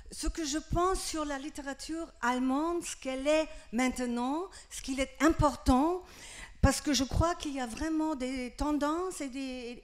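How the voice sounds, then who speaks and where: A woman's voice: sits high, a little mellow. A woman with a German accent, French not her first language, giving a prepared talk at a festival, searching for her words. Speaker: literary critic, festival speaker. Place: festival stage with audience. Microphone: handheld microphone.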